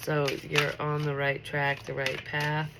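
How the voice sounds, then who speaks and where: A woman's voice: sits low, measured pace, gravelly. A woman with a stuffy, congested nose gives a casual, chatty late-night tarot reading in an upbeat tone. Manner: chatty and upbeat, full of filler words. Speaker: tarot reader. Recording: steady background noise.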